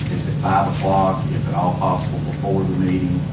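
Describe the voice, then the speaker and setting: A man at a moderate pace with audible room echo and music in the background. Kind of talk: meeting remarks. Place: hall. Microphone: camera far.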